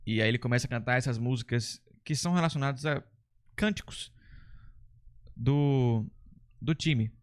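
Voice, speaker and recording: A man's voice: medium pitch, moderate pace, pauses often. A man from Brazil with a Brazilian Portuguese accent hosting a casual lesson, explaining things step by step in a chatty, enthusiastic way. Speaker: English teacher and channel host.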